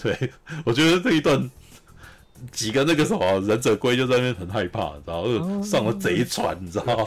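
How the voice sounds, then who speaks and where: Loud and animated in tone, a man speaks at a very fast pace and medium pitch. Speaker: film podcast host. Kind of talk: casual chat.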